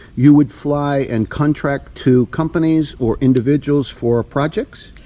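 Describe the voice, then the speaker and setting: This man has a plain, everyday voice, fairly high in pitch, delivered at a fairly slow pace with ordinary pitch variation. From Canada. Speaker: YouTube interviewer. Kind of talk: casual interview.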